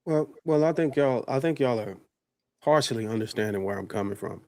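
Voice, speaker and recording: A man on a podcast panel calmly laying out his view, listing points one by one. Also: medium pitch, brisk, no room sound. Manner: calm, methodical, listing points in order. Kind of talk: panel discussion.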